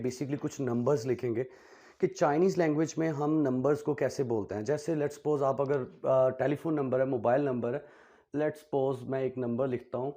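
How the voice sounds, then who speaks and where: A man teaching a basic language lesson, switching between Urdu and English and drilling syllables slowly, with frequent check questions to learners. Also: medium pitch, dark tone. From Pakistan.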